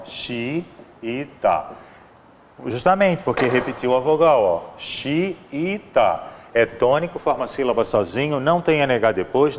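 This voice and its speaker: A man's voice: medium pitch, long reverb tail, a little hiss or hum. A man with a Brazilian Portuguese accent teaching an exam-prep grammar lesson, walking through examples and often checking in with "né?". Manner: explanatory, repeats examples, frequent "né?" and "ó".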